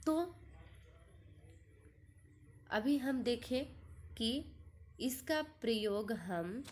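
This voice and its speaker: A woman teaching a kindergarten Hindi lesson, reading words slowly one by one and quizzing the class with repeated questions. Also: on the high side, a little hiss or hum.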